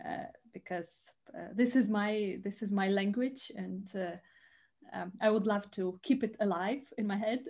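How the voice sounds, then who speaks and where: A woman with a Russian accent speaks at a fairly slow pace, somewhat breathy, with a dark, mellow tone. Her pitch variation is ordinary. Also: medium pitch for a woman. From Russia, Saint Petersburg. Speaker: communication coach. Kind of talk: interview. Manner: halting, many fillers.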